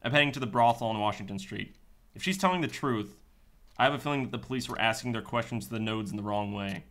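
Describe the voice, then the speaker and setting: A man acts out a private detective in a sci-fi radio play. His voice sits fairly low with a bright, forceful edge. He is terse and commanding, like someone used to giving orders. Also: fast. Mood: brisk, determined. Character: brisk, bossy male private detective. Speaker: actor in a sci-fi radio drama. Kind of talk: radio drama acting.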